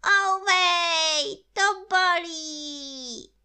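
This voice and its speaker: Woman voicing a bear cub, naive, greedy, squeaky and high, bright, lively. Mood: distressed. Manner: high squeaky strained voice, plaintive. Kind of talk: storybook reading.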